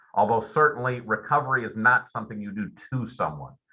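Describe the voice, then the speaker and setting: A man's plain, everyday voice at a moderate pace with ordinary pitch variation. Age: 60s. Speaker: psychiatrist. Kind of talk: lecture.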